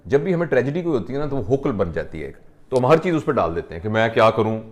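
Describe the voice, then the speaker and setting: A man, a doctor, calmly counseling a patient and explaining with simple everyday examples. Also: mid-range voice.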